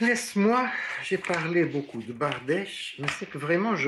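Lively intonation in a Portuguese accent. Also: man. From Portugal. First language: Portuguese (speaking French). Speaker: author. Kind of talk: radio interview.

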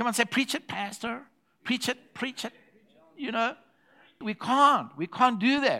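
A man with an extremely high pitch projects a raised voice in a bright, sharp, animated tone with ordinary pitch variation. He goes at a fairly slow pace with long, frequent pauses, and the sound is dry and close with no echo. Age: 30s. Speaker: pastor. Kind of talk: sermon.

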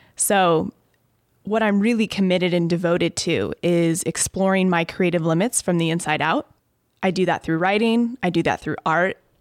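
In a very clean recording with a silent background, a normal speaking voice with an American accent moves at a moderate pace, with ordinary pitch variation, very even loudness, and a dry, close sound with no echo. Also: woman. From Chicago suburbs, US Midwest. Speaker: writer and artist. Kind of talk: interview conversation. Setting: studio.

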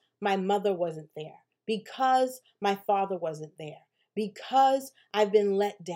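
Speaking at medium pitch, a woman sounds animated, her intonation lively. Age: 40s. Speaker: podcast host. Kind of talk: personal monologue.

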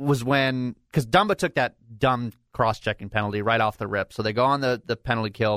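A man with an American accent and a bright, sharp tone, in a very clean recording with a silent background. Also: dry, close sound with no echo. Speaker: sports podcast host. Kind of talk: casual sports talk.

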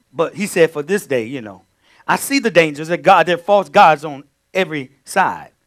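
In a very clean recording with a silent background, a man with a high pitch speaks in an animated tone, with big swings in loudness and long, frequent pauses. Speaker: pastor. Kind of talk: sermon. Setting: church with congregation.

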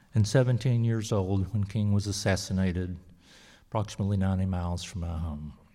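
A man with an American accent speaks at a fairly low pitch and moderate pace, dark and mellow in tone with ordinary pitch variation, amid audible room echo. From US South. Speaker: retired judge giving a lecture. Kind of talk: lecture. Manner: formal.

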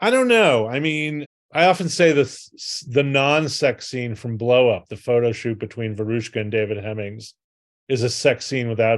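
A man speaks at a moderate pace and medium pitch with ordinary pitch variation, in an ordinary speaking voice. The background is quiet. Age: 60s. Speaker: film critic. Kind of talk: casual chat.

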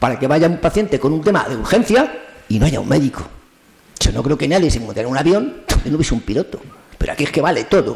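Amid noticeable background noise, a man speaks very fast at a fairly high pitch, his pitch swinging very widely, with long, frequent pauses. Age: 70s. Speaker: retired family doctor. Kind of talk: panel talk.

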